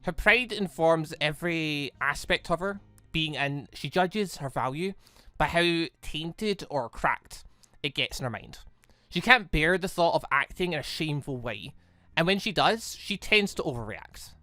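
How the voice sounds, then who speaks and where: Gaming video host: bright, punchy voice, chatty and animated, casual commentary and read-aloud game text, dry sound. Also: mid-range voice, unhurried, dry recording, soft background music.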